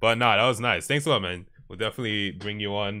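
A man talks fast at a fairly low pitch, his bright, sharp tone showing ordinary pitch variation.

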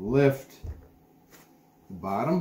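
Speaking at a very slow pace, a man's voice carries an audible echo from the room. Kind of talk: tutorial. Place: workshop.

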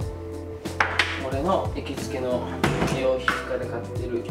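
A man speaking with clear music in the background. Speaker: vlogger. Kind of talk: casual vlog chat. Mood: relaxed, playful. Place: home room.

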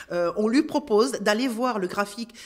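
A woman talks at a moderate pace in an animated tone, her medium pitch moving with lively intonation. Her delivery stays moderate in speed throughout. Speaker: orchestra conductor and author. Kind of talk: interview. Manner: halting, many fillers and repetitions.

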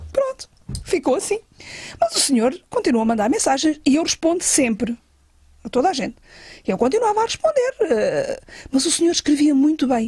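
Taking long, frequent pauses, a woman speaks at a moderate pace with a high pitch, a dark, mellow tone and very wide pitch swings. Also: quiet background. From Portugal, Pegões (Ribatejo); Portugal. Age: 50s. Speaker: singer and accordionist; podcast guest. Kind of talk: casual chat. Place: studio. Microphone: studio mic.

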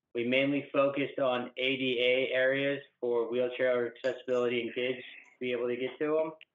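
The man keeps a moderate pace at a medium pitch, with monotone, flat intonation and hardly any pauses. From Georgia. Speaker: fish biologist. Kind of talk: meeting report. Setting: teleconference. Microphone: phone line.

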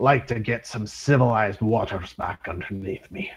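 Doing a put-on character voice, a man sounds raspy, with a medium pitch and a moderate pace. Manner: gruff.

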